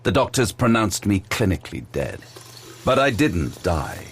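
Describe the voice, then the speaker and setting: A man's voice: low-pitched, very animated, measured pace, a little hiss or hum, heavily acted. An actor playing a brooding, haunted detective who narrates his own story intensely in an audio drama.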